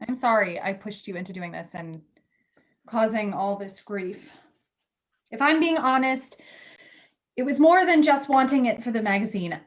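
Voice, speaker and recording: Female magazine editor for a play reading, acted by a woman: candid, confiding, slightly hesitant, pitched a little high. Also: close to an everyday voice. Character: candid, loyal female magazine editor, jaded about love. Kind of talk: virtual staged play reading.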